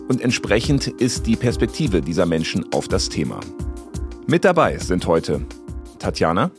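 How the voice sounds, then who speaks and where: A man opens a podcast in a calm, measured scripted narration, his low voice moving a lot in pitch. Music plays clearly underneath him throughout. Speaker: podcast host and interviewer.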